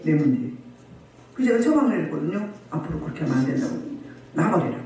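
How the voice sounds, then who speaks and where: A woman's voice: low-pitched, very animated, quick pace, warm tone, a little hiss or hum. A woman pastor preaching a sermon at a healing service. She scolds the congregation and keeps firing rhetorical questions at them. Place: church hall. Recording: very echoey hall, voice far from mic.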